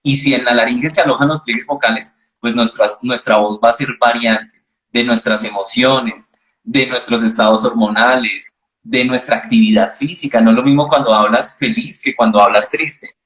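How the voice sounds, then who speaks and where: A man's voice: mid-range voice, normal speed. A man answering as a voice specialist in an interview, explaining patiently and teaching with examples. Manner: calm, didactic, uses examples. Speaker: voice specialist guest.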